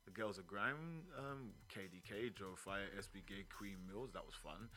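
A man's voice: fairly low pitch, moderate pace, pushed and bright. A man with an urban London roadman accent, chatting casually in an interview as a grime MC, full of street slang and emphatic repetition.

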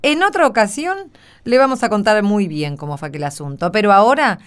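A woman's voice: medium pitch, expressive, a little fast, clear, resonant tone, lightly acted. An actress playing a frank, spirited neighborhood woman in a radio play, emphatic and wry. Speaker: actor in radio drama. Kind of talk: Spanish-language radio theatre acting.

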